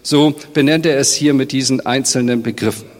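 A middle-aged pastor with a medium-pitched voice preaches a sermon at a fairly quick clip and with fairly even intonation. He talks to his congregation directly and conversationally. The long reverb of the church hall carries through the recording.

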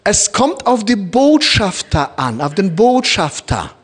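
Animated preacher with a foreign accent. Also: male voice, high-pitched, takes it slowly, breathy edge. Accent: Kazakh-born, speaking German with a noticeable foreign accent. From Kazakhstan. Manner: animated, addresses the congregation directly, acts out little scenes. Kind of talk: sermon.

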